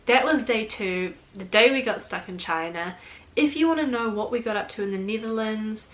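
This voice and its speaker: Kiwi girl vlogging a travel storytime, bit high-pitched, chatty and rambly, says like a lot. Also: moderate pace, a bit bright, low-quality recording. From New Zealand. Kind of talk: casual storytime chat.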